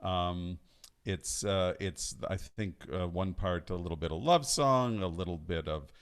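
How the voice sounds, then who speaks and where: A man leading a song, casually introducing and translating it before he sings, in a halting way with many restarts. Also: deep voice. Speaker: song leader. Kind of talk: casual spoken introduction before singing at a live-streamed study night. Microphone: home setup singing over recorded accompaniment.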